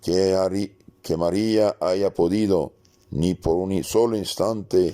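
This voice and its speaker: A man speaks very slowly with a very deep, low pitch. His tone is dark and mellow, with fairly even intonation. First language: Aramaic (speaking Spanish). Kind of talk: sermon. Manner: halting, with fillers and repetitions.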